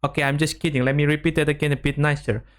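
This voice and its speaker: A man's voice: on the high side, level tone, rapid-fire. A man giving casual scripted YouTube commentary in a blunt, sweary, self-deprecating way. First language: not Japanese. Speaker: YouTuber narrator.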